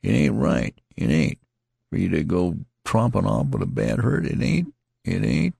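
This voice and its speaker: A man's voice: on the low side, sing-song, measured pace, gravelly, darkish tone, breathy edge, no echo, clean studio sound, pitched above the performer's own voice, heavily acted. A man doing a dazed, slurring wounded soldier. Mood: pleading. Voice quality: slurred, drawling country dialect. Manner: pleading, repetitive, plaintive. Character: wounded, rambling, folksy male soldier, dazed.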